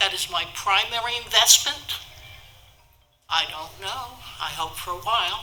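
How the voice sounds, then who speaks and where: Over music in the background, a woman speaks loudly at a fairly slow pace with lively intonation, leaving long, frequent pauses while room echo is audible. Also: medium pitch for a woman. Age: 80s+. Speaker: resident. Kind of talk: public comment. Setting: public meeting. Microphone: no microphone.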